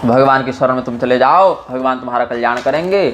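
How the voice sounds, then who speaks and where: A man giving a devotional scripture discourse, slowly chanting verses and then explaining them in plain speech. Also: mid-range voice, a bit bright. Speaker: religious storyteller.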